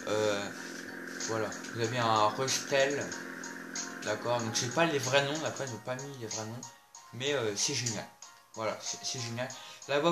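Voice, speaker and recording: A man casually showing off vehicles in a video game, chatty, with frequent fillers and asides to viewers. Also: medium pitch. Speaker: gameplay video host. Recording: roomy sound with loud game music.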